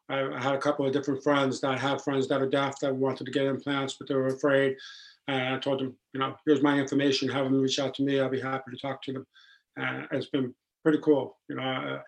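Male podcast guest, deep flat voice, earnest with ums and restarts. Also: poor audio. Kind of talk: casual podcast conversation.

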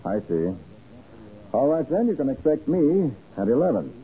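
An actor playing a confident, inquisitive private detective in a 1940s radio crime drama, assured and probing. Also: male voice, a little high, big pitch swings, moderate pace. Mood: brisk, probing. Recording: muffled, hissy 1940s radio recording.

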